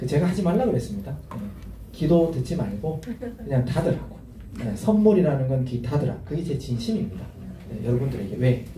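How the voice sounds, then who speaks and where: The speech moves at a fairly quick pace with very wide pitch swings, audible room echo and noticeable background noise. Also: man. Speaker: trading instructor. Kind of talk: lecture. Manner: fast.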